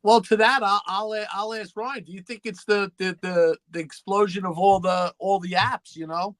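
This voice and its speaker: High-voiced man hosting, very close dry sound. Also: steady tone, normal speed, fairly bright tone, dry recording. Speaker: host, interviewer. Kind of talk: casual chat.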